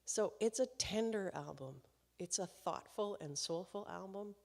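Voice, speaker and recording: A woman's voice: mid-range voice, a little slow, darkish tone. A woman hosting a live concert series, introducing the performer to the audience in a chatty way and laughing between remarks. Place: concert hall, live event. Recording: long hall reverb.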